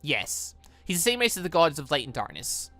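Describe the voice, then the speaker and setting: A man voicing a calm, teasing, all-knowing warrior mother from a visual novel, telling lore in a patient, measured way. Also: fairly high pitch, no room sound, faint music behind. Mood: solemn storytelling.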